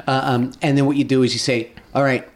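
A man in his thirties in casual, bantering chat as a podcast host, excitable and often repeating himself. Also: medium pitch, fast. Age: 30s.

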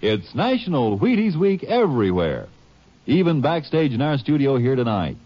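A man announcing an upbeat, chummy sponsor pitch on 1950s radio. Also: big pitch swings, normal speed. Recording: muffled 1950s radio studio recording.

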